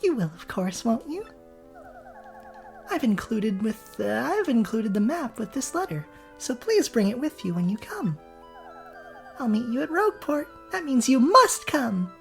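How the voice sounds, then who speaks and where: A man's voice: very high-pitched, big pitch swings, unhurried, gravelly, fairly bright tone, soft background music, voice pushed up, heavily acted. A man voicing a cheerful young princess reading out her letter. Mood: sweet. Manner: sweet, breezy, bossy at the end.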